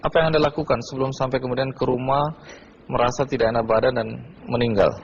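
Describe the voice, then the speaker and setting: A man's voice: mid-range voice, steady tone, quick pace. Man, TV interviewer, probing questions, dull lo-fi sound, faint hiss. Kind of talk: testimony interview. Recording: dull lo-fi TV audio, faint noise.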